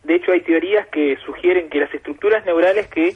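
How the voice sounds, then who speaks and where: A slightly high, husky Argentine man explains things patiently, like a professor, layering example on example. He speaks over a muffled telephone line carried on radio. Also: a little fast. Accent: Argentine Spanish. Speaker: guest expert.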